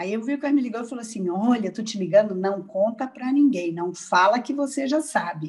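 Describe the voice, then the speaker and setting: The voice has an animated tone, lively intonation and a somewhat breathy quality at a moderate pace. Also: woman. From Minas Gerais, Brazil. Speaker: actress. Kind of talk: interview. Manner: animated storytelling.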